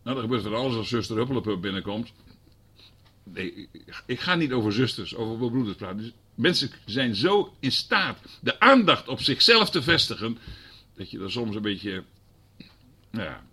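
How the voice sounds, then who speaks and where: A man preaching a sermon who moves from quiet explaining to loud, fervent passages and keeps asking the congregation rhetorical questions. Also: lowish voice, lively intonation, normal speed, slightly rough. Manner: conversational asides.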